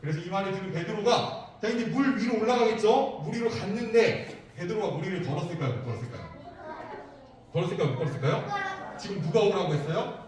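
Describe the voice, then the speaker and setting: In a church worship room, a man with a high, sing-song voice gives a children's sermon at a quick pace, asking the young kids questions and repeating back their answers. The recording is echoey, the mic distant, with crowd noise audible.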